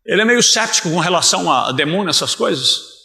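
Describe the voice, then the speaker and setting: A Brazilian man preaching a sermon as pastor, telling stories with passion and bursts of shouting. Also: sits high, animated, quick pace, gravelly. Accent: Brazilian Portuguese. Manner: impassioned, storytelling, bursts into shouting. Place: church hall. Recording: echoey church hall.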